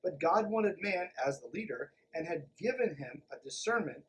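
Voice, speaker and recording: A man's voice: high voice, expressive, normal speed, poor audio. A man hosting a podcast, reading aloud and commenting in an irreverent, sardonic, emphatic manner. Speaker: podcast host. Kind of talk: reading a text aloud with sarcastic running commentary.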